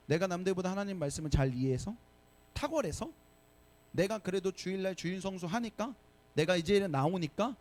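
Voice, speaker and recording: A male pastor preaching a sermon to young adults in a church, lively and often asking the congregation questions. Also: high voice. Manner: animated, asks the congregation questions. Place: church sanctuary.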